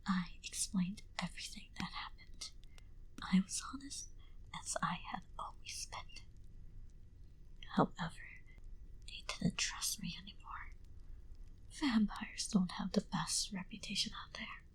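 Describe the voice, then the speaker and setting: In a whispered ASMR roleplay, a woman plays a proud, menacing female vampire recounting her past, speaking slowly and with cool condescension into a close binaural mic. Her mid-range voice is a breathy, hushed whisper, animated and fully in character, with a wistful, cold mood. The audio quality is poor.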